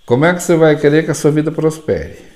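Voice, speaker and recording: A man with a Brazilian Portuguese accent, an herbalist giving spiritual advice in a casual chat, telling lively stories and acting out little dialogues. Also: fairly high pitch, fast.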